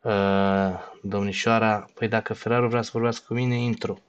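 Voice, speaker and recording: A man's voice: on the low side, flat delivery, clean tone, muffled recording. A man streaming live, signing off with a long run of thanks to his viewers and some blunt, crude teasing. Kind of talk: casual live-stream sign-off.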